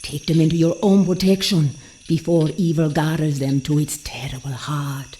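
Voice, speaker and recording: An actress voicing a commanding, seductive voodoo priestess in a video game, a mysterious mentor with a portentous, folksy way of talking. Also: female voice, deep voice, fairly even intonation, moderate pace, dark tone, slight background noise, close to an everyday voice. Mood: grave, urgent. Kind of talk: dramatic game cutscene acting.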